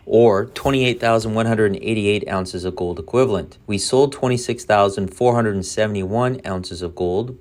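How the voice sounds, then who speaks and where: A male finance chief with a fairly low voice delivers a scripted earnings report. He is formal and careful as he reads out the figures.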